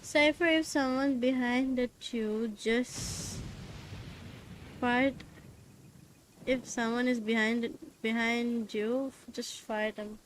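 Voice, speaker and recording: Young bengali woman streaming games, south asian accent, highish voice, casual chat, bit of noise behind. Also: fairly even intonation, slow, poor audio. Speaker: game livestream host. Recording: faint background noise.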